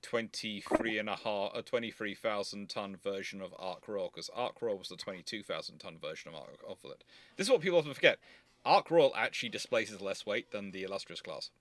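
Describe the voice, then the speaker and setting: A man's voice: lowish voice, lively intonation, a little fast, a bit bright, no echo. A man hosting a livestream, chatting casually as he explains and answers questions in an emphatic, rambling way. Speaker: host of a naval history question livestream.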